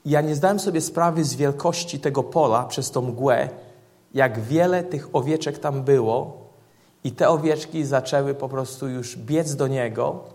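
A man preaching a sermon to a church congregation, telling vivid stories to illustrate his points in an earnest, measured way. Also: mid-range voice, darkish tone.

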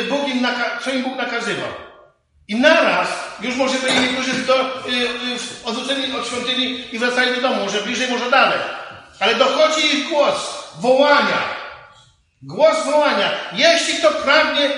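A man with a high, bright voice preaches a sermon, circling back over his phrases to drive them home. His voice rings through a large hall with long reverb. Faint noise sits under it. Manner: repetitive, emphatic phrasing.

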